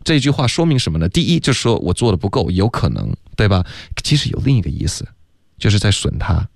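A man teaching English on a radio lesson, explaining pronunciation slowly and laughing often. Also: on the low side, big pitch swings, gravelly, dry recording, studio quality.

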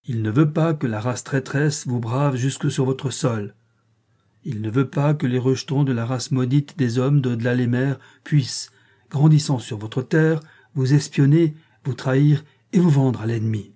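A man voicing an old tribal elder who proclaims loudly and solemnly, in a storybook reading. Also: medium pitch, normal speed, breathy edge, lightly acted.

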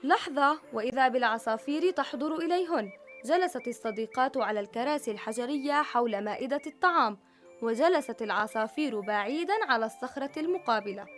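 A woman narrating a children's story in a warm, expressive storytelling voice. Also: high-pitched, quick pace, faint music behind.

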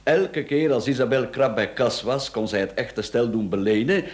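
A Flemish man acting in a radio play as a smooth-talking, cheeky rogue, glib, flippant and teasing. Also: mid-range voice, normal speed, natural voice. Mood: amused, confiding. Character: smooth-talking, cheeky male rogue, a performer under questioning. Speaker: radio drama actor.

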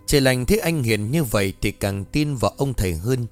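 A man narrating a scripted story in a steady, dramatic way. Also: medium pitch, normal speed. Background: faint music.

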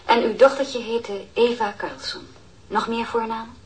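A woman's voice: a little high, steady tone, measured pace, close to an everyday voice. An actress as a formal, considerate policewoman, noisy recording. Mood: gentle, formal. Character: female police inspector, careful, gentle formal questioner. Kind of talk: naturalistic radio drama interrogation.

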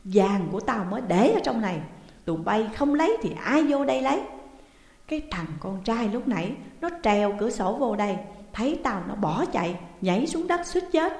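Một người phụ nữ đóng vai bà chủ giàu có tham lam, xảo quyệt, hay gào thét chửi bới. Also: female voice, fairly high pitch, sing-song, normal speed, darkish tone. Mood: shrill ranting. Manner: shrieking, berating, wailing. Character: greedy shrill middle-aged rich woman, cunning. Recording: roomy reverberant hall sound.

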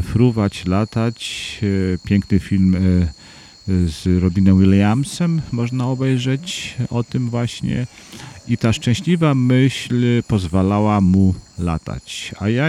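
A man hosting a radio program, talking through an unscripted monologue in a meandering, hesitant way, often pausing to search for words. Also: sits low, mellow. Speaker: radio host.

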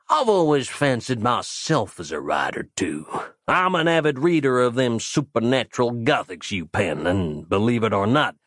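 Male narrator doing a villainous small-town sheriff: low, slow, drawling, contemptuous. Dry close recording. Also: fairly bright tone, dry recording, exaggerated voice. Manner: slow drawling folksy speech, scornful. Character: menacing folksy frontier sheriff, middle-aged man. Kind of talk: audio drama character voice.

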